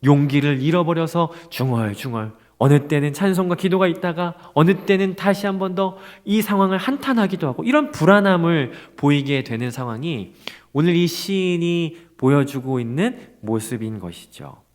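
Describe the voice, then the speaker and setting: A male pastor preaching a dawn prayer sermon, expressive and asking the congregation rhetorical questions. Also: a little high, normal speed.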